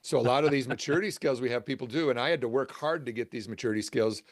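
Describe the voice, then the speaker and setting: A man's voice: mid-range voice, quick pace, no echo. A middle-aged man, a guest author and church trainer, giving enthusiastic explanatory answers and often restarting his sentences. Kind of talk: interview answers.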